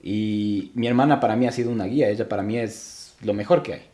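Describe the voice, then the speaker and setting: Mellow-voiced young man from Ecuador. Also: fairly low pitch, fast talker. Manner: reflective, with frequent restarts and hesitations. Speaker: podcast guest. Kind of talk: casual interview chat.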